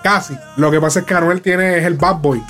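A man's voice: a little fast, soft background music. A man with a Puerto Rican accent talking casually and with animation, full of slang. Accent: Puerto Rican Spanish. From Puerto Rico. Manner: animated, slangy, acts out quotes in high voices. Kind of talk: casual chat.

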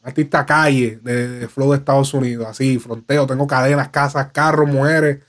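A man with a Puerto Rican accent talking casually and with animation, full of slang. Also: moderate pace. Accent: Puerto Rican Spanish. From Puerto Rico. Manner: animated, slangy, acts out quotes in high voices. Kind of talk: casual chat.

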